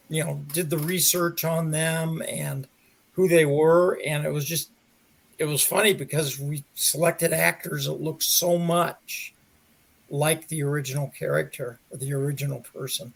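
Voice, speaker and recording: A mature man answering interview questions as a theater director, in a measured, conversational way with pauses to think. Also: on the high side, fairly even intonation, vocal fry.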